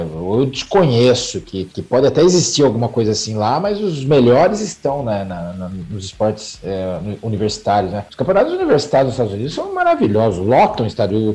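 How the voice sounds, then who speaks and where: Noticeable background noise runs under a man's voice. He speaks fairly quickly at a medium pitch, with lively intonation. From São Paulo state interior, Jundiaí. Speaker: former footballer turned sports commentator. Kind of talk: casual interview chat.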